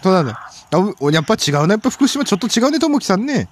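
Fast, excitable Ibaraki man hosting. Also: high voice, a loud crowd. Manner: excitable, joking, repeats himself. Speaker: podcast host. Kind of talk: casual podcast chat. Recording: noisy recording.

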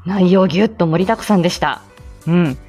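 A woman in her forties hosting a casual live stream, chatty and humble, laughing often and filling pauses as she greets listeners. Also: fairly low pitch, a little mellow, breathy edge, faint music behind.

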